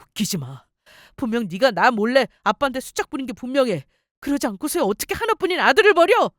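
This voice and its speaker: A woman's voice: high voice, sing-song, quick pace, no room sound, clean studio sound. A woman voicing an arrogant, cheating husband who runs a company, talking down with contempt in a story radio drama. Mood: frantic. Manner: sneering, boastful, contemptuous. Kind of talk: story radio role-play.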